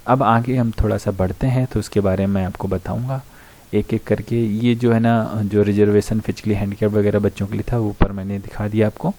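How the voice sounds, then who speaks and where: A man's voice: fairly low pitch, mellow. An Indian man giving an informal explainer to students, going point by point in a conversational way with frequent short check-in tags. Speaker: online educator explaining job vacancies to students. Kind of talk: informal explainer, talking through a notice point by point.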